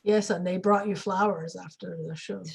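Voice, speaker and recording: A woman's voice: on the low side, steady tone, moderate pace, vocal fry, slightly rough. A woman moderating a casual discussion, putting questions to guests in a conversational way. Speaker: panel moderator.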